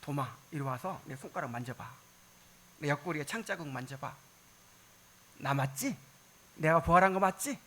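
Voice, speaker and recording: A male preacher voicing Jesus as gentle and merciful, speaking in a soft, low voice. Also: lively intonation, normal speed, pauses often. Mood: tender.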